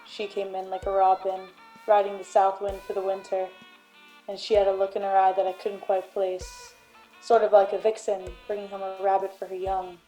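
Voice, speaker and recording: Woman playing a deadpan, flat-toned noir private detective. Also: mid-range voice, normal speed, soft background music, lightly acted, rough recording. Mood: brooding, self-assured. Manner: deadpan, brooding, grandiose. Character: hard-boiled, self-important private detective, former cop. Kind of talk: 1930s noir radio drama narration.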